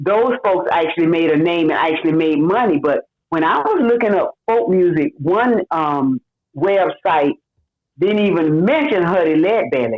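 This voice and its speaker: A normal speaking voice with lively intonation, very even loudness, and a moderate pace. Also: woman, fairly low pitch for a woman. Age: 60s. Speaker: folk and blues singer. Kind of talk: interview.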